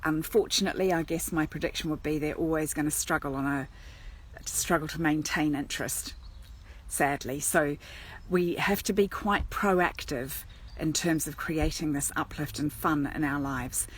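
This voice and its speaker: A woman's voice: low-pitched, normal speed, husky. A woman from New Zealand, an agony aunt, chatting live and thinking aloud with many ums while sitting outdoors in a churchyard. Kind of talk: casual live stream chat.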